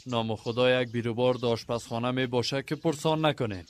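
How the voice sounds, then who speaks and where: A man's voice: medium pitch, clean tone, natural voice. A male actor playing a polite, agreeable young village man in a radio drama. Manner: polite, attentive. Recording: faint background noise.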